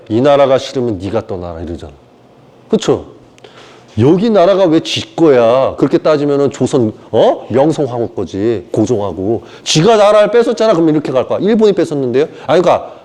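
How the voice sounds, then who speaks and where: A man's voice: high voice, warm tone. A man giving an informal sermon lecture, rambling and mocking, acting out quoted voices. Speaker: preacher.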